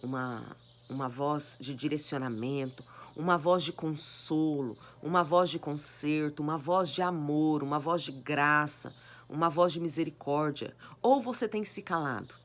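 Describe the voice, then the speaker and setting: A woman preaching a sermon with a hoarse, cracked voice, exhorting her listeners with repeated rhetorical questions. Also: low-pitched, measured pace. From Brazil. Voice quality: raspy, cracked voice.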